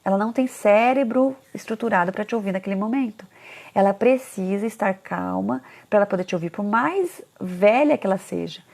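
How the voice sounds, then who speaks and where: Brisk, lively woman coaching parents, slight vocal fry. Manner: animated, acts out parents' complaints in a high voice. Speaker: parenting educator. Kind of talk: casual talk to parents.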